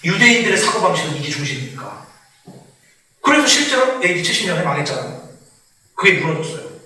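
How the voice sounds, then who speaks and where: A man preaching as a missionary, lively and laughing, acting out quoted voices. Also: on the high side, quick pace, a little hiss or hum. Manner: animated, acts out quoted voices, laughs often. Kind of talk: sermon lecture. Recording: echoey hall, far from mic.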